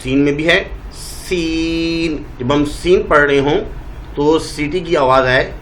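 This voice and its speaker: Pakistani Urdu male teacher, somewhat high voice, stretches out letter sounds for students, faint hum behind. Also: poor audio. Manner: draws out letter names slowly, modelling pronunciation. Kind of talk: Quran reading lesson.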